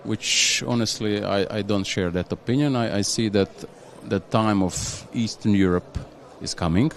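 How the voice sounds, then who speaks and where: Deep-voiced male executive. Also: slight background noise. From Croatia. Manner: halting, restarts phrases, tags with "yeah?". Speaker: industry executive guest. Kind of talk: conversational interview.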